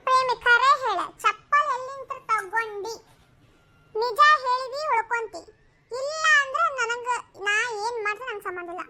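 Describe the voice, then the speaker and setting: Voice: very high-pitched, moderate pace, sharp tone, heavily acted. A voice actor playing a firm village woman in a cartoon comedy who presses a neighbour with questions, speaking with a North Karnataka accent. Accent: North Karnataka Kannada.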